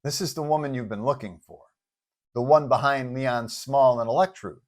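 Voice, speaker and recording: A man's voice: mid-range voice, moderate pace, lightly acted. A man voicing a pragmatic, exasperated female police chief in a superhero story, blunt and persuasive. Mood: calm.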